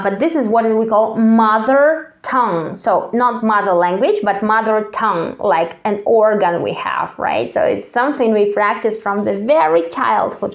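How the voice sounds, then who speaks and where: A woman from Kazakhstan whose first language is Russian, teaching an English lesson and repeating each phrase slowly and clearly for learners to echo. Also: on the high side. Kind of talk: slow drill-style language lesson.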